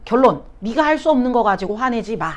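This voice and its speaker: A woman's voice: on the high side, big pitch swings, a little fast. A woman teaching English exam questions. She keeps asking her students questions and then answers them herself, and she drops English phrases into her explanations.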